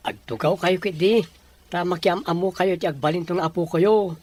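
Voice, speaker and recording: A man's voice: high voice, moderate pace, a little mellow. A man playing an earnest, dutiful young man in an audio drama, speaking in a polite, placating way. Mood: cheerful, fond.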